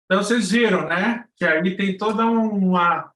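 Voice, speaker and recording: A Brazilian man giving an informal online lesson, halting as he searches for words. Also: high-pitched, a bit bright. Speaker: guest lecturer on podcast production. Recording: roomy, echoing live-stream sound.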